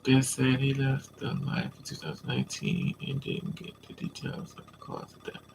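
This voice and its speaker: Gravelly man chatting on a live stream. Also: medium pitch, normal speed, background noise. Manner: relaxed, chatty, talks back to commenters. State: stuffy nose, coming down with a cold. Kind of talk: casual live-stream chat, reading viewer comments.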